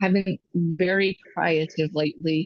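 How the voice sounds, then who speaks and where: A woman's fairly low-pitched voice with ordinary pitch variation, dry and close with no echo. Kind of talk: casual chat. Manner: clearer speech than before.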